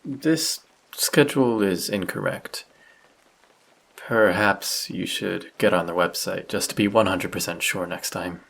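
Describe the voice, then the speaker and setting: A man playing a friendly, polite vampire who speaks gently and reassuringly in an intimate roleplay audio drama, with a husky voice. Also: deep voice, exaggerated voice. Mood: sympathetic, helpful. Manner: polite, soft-spoken, reassuring, gently teasing. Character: friendly, courteous male vampire, gentle and caring stranger. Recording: rain sound effects behind the voice.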